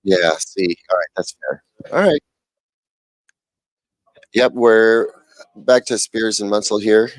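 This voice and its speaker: Brief: low-voiced man, wry and self-mocking, casual panel banter, dry close mic. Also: takes it slowly, pauses often, no room sound, low-quality recording. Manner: wry, joking, self-deprecating. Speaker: TV shootout panelist. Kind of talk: casual livestream chat. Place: TV viewing room.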